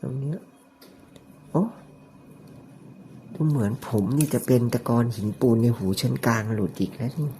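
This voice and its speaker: Man talking in a soft put-on high voice. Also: slight background noise. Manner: deliberately raised, soft falsetto-like voice; chatty, joking asides while working. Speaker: ear cleaner. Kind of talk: ear-cleaning demo narration to camera.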